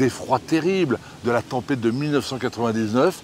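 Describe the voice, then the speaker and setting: A man at a medium pitch can be heard with noticeable noise in the background. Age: 60s. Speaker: head gardener. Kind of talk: guided walk narration.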